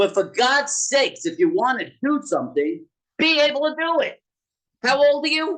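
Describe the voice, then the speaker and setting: A man with a Brooklyn accent, an extremely high pitch, a bright and sharp tone, ordinary pitch variation and a moderate pace. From Brooklyn, New York. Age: 60s. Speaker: physical therapist. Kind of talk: video call consultation. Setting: video call. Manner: animated.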